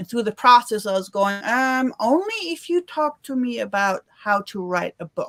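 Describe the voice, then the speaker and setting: A woman with a slight German accent speaks at a fairly high pitch with lively intonation and hardly any pauses, in a dry, close sound with no echo. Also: moderate pace. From Germany. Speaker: author. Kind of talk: interview. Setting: live stream.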